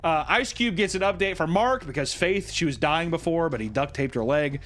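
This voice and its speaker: A man's voice: fairly high pitch, animated, moderate pace, fairly bright tone, soft background music. A man giving a casual, sarcastic comedy recap of a movie, laughing often and swearing freely. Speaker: movie commentator.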